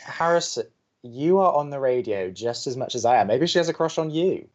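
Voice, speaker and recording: An actor playing an earnest, flustered young campus radio co-host who talks with fretful, exasperated emphasis. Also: male voice, mid-range voice, animated, fairly quick, darkish tone, lo-fi sound, lightly acted. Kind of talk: bantering audio drama dialogue.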